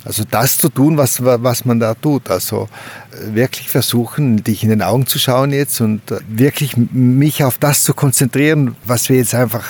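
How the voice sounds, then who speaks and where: A man from a mountain valley in South Tyrol, speaking outdoors in a slow, reflective way and often pausing to search for words. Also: medium pitch, a little mellow, breathy edge. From Gröden valley, South Tyrol, Italy. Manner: slow, thoughtful, searching for words with frequent hesitations. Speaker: interviewee. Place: outdoors on a mountain slope by a wooden hut.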